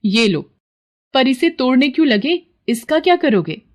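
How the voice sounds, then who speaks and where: A nosy sister-in-law, as a woman narrator puts her on in a cartoon story. Her voice is high and sugary, and she coaxes in a drawn-out, pleading way. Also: sing-song. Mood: coaxing. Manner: sugary, coaxing.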